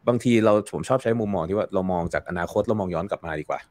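A man's voice: deep voice, very fast, darkish tone, dry recording. A man speaking as a guest in a casual interview, explaining at length with frequent fillers and repeated words. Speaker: guest commentator.

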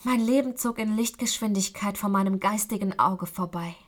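A woman narrating a story in calm, soft audiobook style, at times half-whispered. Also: medium pitch, normal speed. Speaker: audiobook reader.

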